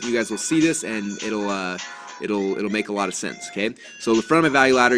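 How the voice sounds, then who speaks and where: Fast-talking man presenting a webinar. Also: lowish voice. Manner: fast, restarting phrases, acts out dialogue. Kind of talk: energetic business webinar talk.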